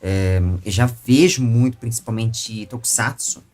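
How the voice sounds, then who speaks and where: A man with a Brazilian accent interviewing a guest, commenting at length in halting phrases with emphatic bursts. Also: mid-range voice, darkish tone, soft background music.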